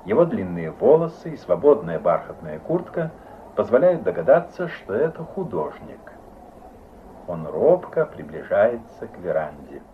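A man's voice: low-pitched, very animated, a little slow. A man reading scripted stage directions as the narrator of a 1950s radio play. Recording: muffled old 1950s radio recording, faint hiss.

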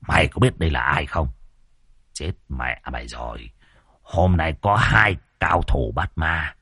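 A man's voice: a bass voice, lively intonation, measured pace, bright, forceful tone, breathy edge, no room sound, studio quality, pitched below the performer's own voice, exaggerated voice. A man voicing a boastful male sorcerer. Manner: boastful, bragging.

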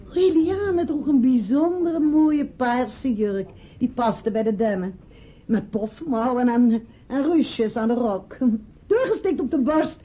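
A woman's voice: high voice, slow pace, slightly rough, full character voice. An actress in a radio drama voicing an eager, admiring woman with a polite, effusive manner. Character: eager, admiring woman fondly recalling details, politely pleading. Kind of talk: Dutch radio drama acting. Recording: muffled radio recording, faint noise.

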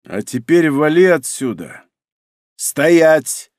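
A man voicing a stern, quick-tempered emperor who barks commands, in a dry audiobook reading. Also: a little high, animated, a little mellow, dry recording, voice pushed up, lightly acted. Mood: furious. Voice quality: barking, commanding.

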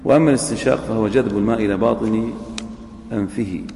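A man's voice: on the low side, steady tone, fast talker, creaky, warm tone. A man teaching a jurisprudence class. He reads a line from the text, repeats it, then quizzes his students. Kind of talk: classroom lecture on a legal text. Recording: echoey hall recording with faint ambience.

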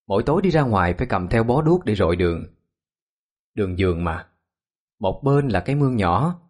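A man narrating a ghost story in a measured, hushed way. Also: on the low side, slightly rough.

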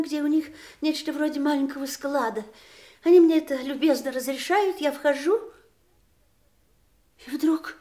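Radio drama role, for an actress: polite, troubled woman, high voice, expressive deliberate storyteller. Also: natural voice. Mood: wondering. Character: troubled, polite woman recounting a frightening dream. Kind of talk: audio stage drama, theatrical monologue.

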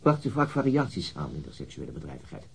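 Radio play police detective, mellow husky voice, lively swooping pitch, formal and a bit hesitant with his questions. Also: fast, heavily acted. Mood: hesitant, probing. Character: male police detective, probing, awkwardly formal interrogator. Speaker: police interrogator. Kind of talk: radio drama interrogation acting.

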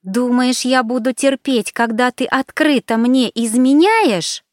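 A woman reader voicing a furious, sharp-tongued young woman who shouts and hisses her accusations. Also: slow pace, no echo, studio quality. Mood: outraged. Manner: shouting, hissing, high-pitched outbursts.

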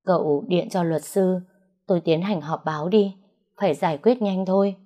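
A woman's voice: lowish voice, normal speed, mellow, close to an everyday voice. A woman reading the lines of a protective young man who speaks urgently.

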